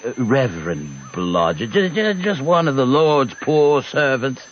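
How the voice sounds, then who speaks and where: An actor playing a pompous, sly American rascal posing as royalty in an old radio drama, hemming sanctimoniously. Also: male voice, mid-range voice, sing-song. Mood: falsely humble. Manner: hemming, slow, theatrically sanctimonious. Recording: dull, faintly noisy old radio recording.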